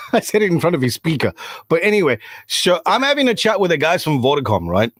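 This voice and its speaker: A man's voice: on the high side, very animated, a little fast, fairly bright tone, dry recording. A man hosting a breakfast radio show in the studio, teasing and laughing through joking banter. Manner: playful, teasing, laughs often. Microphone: studio microphone.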